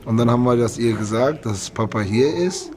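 A man's voice: medium pitch, lively intonation, normal speed, background noise. A man in his thirties talking plainly and openly in an interview. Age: 30s.

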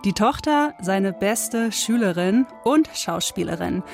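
A woman hosting a radio show, introducing her guest and asking long, measured questions. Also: mid-range voice, animated, vocal fry, faint music behind. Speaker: radio host. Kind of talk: radio interview.

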